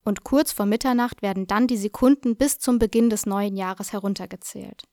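A woman presenting a language lesson, explaining in a clear, measured, scripted way. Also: medium pitch, darkish tone, no echo, studio quality.

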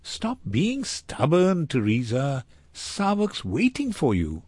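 Guy doing an annoyed impatient man in an audiobook, curt and cynical, pitch jumping around a lot. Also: huge pitch swings, slow, a little mellow, husky, no echo, heavily acted. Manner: curt, irritable.

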